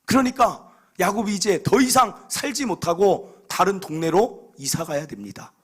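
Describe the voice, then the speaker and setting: A male pastor preaching a sermon in a church, telling scripture stories with animated, acted-out dialogue. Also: high voice, normal speed, husky.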